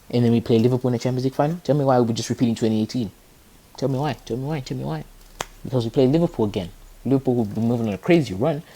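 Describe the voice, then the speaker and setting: A young man hosting a podcast, chatting excitedly about football, laughing often and hammering the same rhetorical question. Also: mid-range voice. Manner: excitable, keeps repeating "tell me why", laughs often. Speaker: podcast host. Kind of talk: casual football chat.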